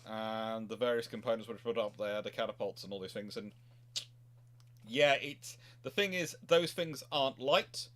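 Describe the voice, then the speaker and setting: A man's voice: on the low side, moderate pace, a bit bright. Rambling man chatting about history. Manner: rambling, digressive, self-interrupting. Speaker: host, naval historian. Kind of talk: casual history chat.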